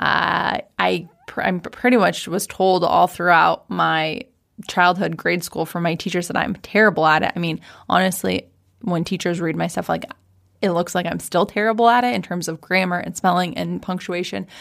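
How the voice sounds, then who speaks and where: In a very clean recording with a silent background, a woman speaks with an American accent at a moderate pace. Her fairly low voice carries vocal fry. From Washington State, US. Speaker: podcast host and business coach. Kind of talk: solo podcast monologue. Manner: animated.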